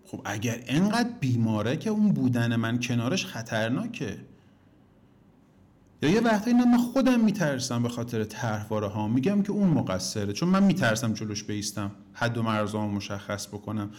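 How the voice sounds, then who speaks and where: A man's voice: expressive, a little mellow. Emphatic male relationship coach lecturing. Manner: emphatic, swings pitch up and down for emphasis; addresses listeners directly as "kids". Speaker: relationship coach teaching a course. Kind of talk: lecture to course students.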